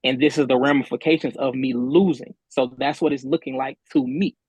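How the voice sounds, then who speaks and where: A man's voice: mid-range voice, fairly even intonation, fairly quick, a little mellow, husky, no room sound. A man speaking as a defendant in a remote court hearing over buzzy, glitchy call audio, stammering and repeating words as he presses his point. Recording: dull, dry call line.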